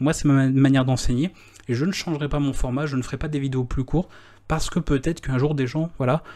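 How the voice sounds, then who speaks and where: A man speaks at a very fast pace in a fairly high pitch with a dark, mellow tone. The recording is very clean, with a silent background. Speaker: online computer science teacher. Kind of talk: channel presentation talk. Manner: animated.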